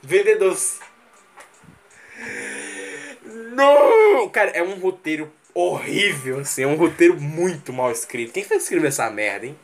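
A man's voice: fairly high pitch, lively intonation, unhurried. A man with a Brazilian Portuguese accent hosting a live stream, ranting casually and profanely, mocking scenes with mimicry and sound effects. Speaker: livestream host. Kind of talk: casual rant.

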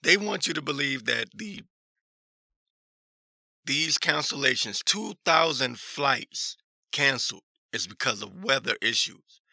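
A man with a hoarse voice giving casual news commentary as a talk show host, halting and repeating himself in a skeptical manner as he reads articles aloud. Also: mid-range voice, expressive, pushed and bright, dry recording.

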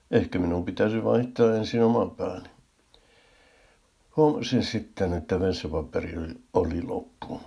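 An older man telling a humorous first-person story in a dry, deadpan way. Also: deep voice, gravelly, breathy edge, highs cut off.

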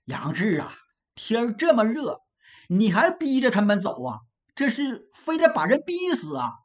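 A worn-out old overseer puffs and grumbles his complaints, as a woman storyteller puts him on. His voice sits low and husky, and the pitch swings around as he talks. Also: very animated, moderate pace. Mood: resentful. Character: old male overseer, tired and resentful.

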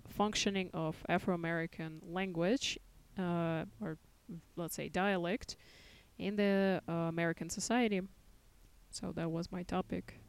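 A woman's voice: lowish voice, clean tone. A woman from Russia, a native Russian speaker, talking as an English-teacher guest, modest and thoughtful, laughing often. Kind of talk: casual interview chat.

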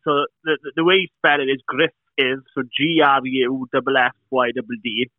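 A Welsh man, a beekeeper speaking Welsh as his first language, chatting relaxed and repeating himself as he tells his story over a call. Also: mid-range voice, normal speed, no echo. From Wales. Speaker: beekeeper guest. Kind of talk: casual interview over a call. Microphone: remote call. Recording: tinny phone-like call line.

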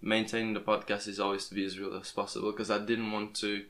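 A young man whose first language is Portuguese talks casually into his podcast microphone. His voice sits low and stays flat, and he often stumbles and restarts his words as he goes. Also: quick pace, slight background noise. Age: young adult. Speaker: podcast host. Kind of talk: casual interview chat. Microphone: plugged-in podcast microphone.

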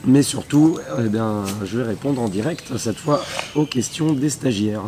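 Hoarse man hosting an outdoor podcast. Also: medium pitch, unhurried, background noise. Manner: relaxed, chatty, many fillers. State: hoarse, losing his voice. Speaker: podcast host and bushcraft instructor. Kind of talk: casual outdoor podcast talk. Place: outdoors at a rural bushcraft camp.

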